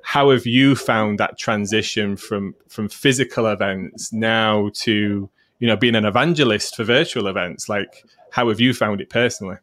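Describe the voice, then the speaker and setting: A man's voice: on the low side, moderate pace, fairly bright tone. A man with a broad Yorkshire accent touched by Mancunian, hosting a talk show in a chatty, informal way. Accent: broad Yorkshire with some Mancunian. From northern England. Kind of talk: conversational interviewing.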